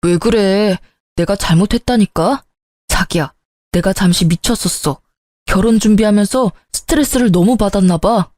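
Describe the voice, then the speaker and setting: A woman's voice: mid-range voice, moderate pace, darkish tone, dry recording, natural voice. A woman voicing a two-faced young groom-to-be, brash and then pleading. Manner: brash, pleading when cornered.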